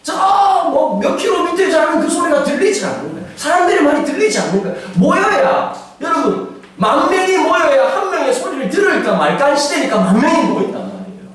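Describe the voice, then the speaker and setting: Animated, very high-pitched preaching man. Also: a little fast. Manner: animated and humorous, acts out voices and shouts for effect. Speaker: pastor. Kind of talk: sermon. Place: church sanctuary. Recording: echoey church hall, distant mic, faint ambience.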